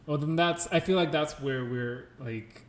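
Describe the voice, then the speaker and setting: A man's voice: fairly high pitch, unhurried. A man in casual comedic chat, dry and teasing in his delivery. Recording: roomy echo with faint noise.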